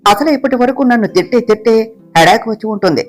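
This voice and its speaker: A woman's voice: medium pitch, lively intonation, fast talker, faint music behind, lightly acted. A woman voicing a bold, cheeky young office assistant who teases her boss and talks back.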